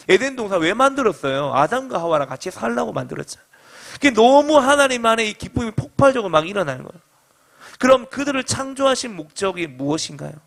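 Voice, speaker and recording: A middle-aged man preaching with fervent conviction, his voice sitting notably high for a man. He calls out to the congregation, pauses for their replies, and leads them through readings with steady energy. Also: creaky. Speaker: pastor. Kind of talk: sermon.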